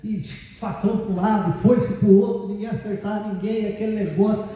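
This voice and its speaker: A man's voice: high voice, fairly even intonation, normal speed, dark tone, slight background noise. A male pastor with a Brazilian Portuguese accent telling a story in a sermon, talking conversationally and hedging over details as he recalls them. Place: large church hall. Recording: echoey church hall from far off.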